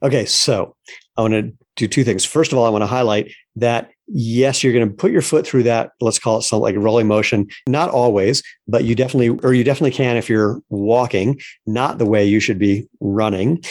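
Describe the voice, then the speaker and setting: On a very clean recording with a silent background, a man in a normal speaking voice talks fairly quickly at medium pitch, with ordinary pitch variation and very even loudness. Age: 50s. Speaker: podcast host. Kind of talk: casual chat.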